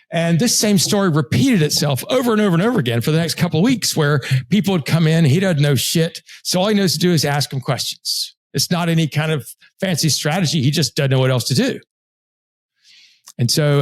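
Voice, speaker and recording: A man's voice: fairly high pitch, dry recording. Swearing man telling a casual story. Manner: profane, conversational. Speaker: podcast host.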